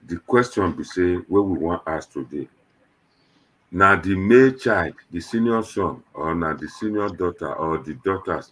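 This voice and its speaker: Deep husky Nigerian man speaking Pidgin. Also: a bit bright, low-quality recording. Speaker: host of an online diaspora panel show. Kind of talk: casual show introduction to viewers.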